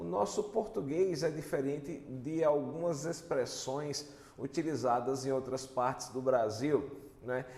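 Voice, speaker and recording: Through audible room echo, a man with a fairly high pitch speaks at a fairly slow pace with ordinary pitch variation. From Pernambuco, northeastern Brazil. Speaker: exam-prep teacher. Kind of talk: lecture. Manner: casual, chatty.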